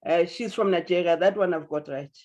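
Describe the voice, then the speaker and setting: A woman's voice: fairly low pitch, a little fast, a little mellow. A woman hosting an online meeting, chatty and apologetic, teasing speakers and stumbling over restarts. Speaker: meeting host. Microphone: video call. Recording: dull lo-fi call audio.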